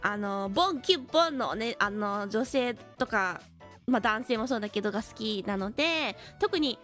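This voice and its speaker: High-voiced woman teaching English slowly. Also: animated, fairly bright tone, faint music behind. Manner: switches between Japanese and slow, careful English; chatty, laughs often, reads chat comments. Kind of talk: bilingual English lesson stream.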